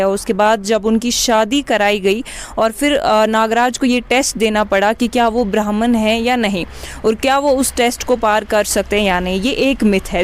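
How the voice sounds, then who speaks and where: A woman with a fairly high voice reports conversationally outdoors, with vehicle noise around her. She speaks as an interviewer, explaining in an easy mix that drops in English words. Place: outdoors on location.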